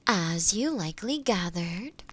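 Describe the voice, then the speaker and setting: A woman playing a kind, solitary forest witch in a fantasy audio roleplay, speaking softly and sometimes breathily to the listener in formal, thoughtful, hesitant phrases. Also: lowish voice, expressive, a little slow, husky, heavily acted. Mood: warm, welcoming. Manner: formal, old-fashioned wording, thoughtful and hesitant.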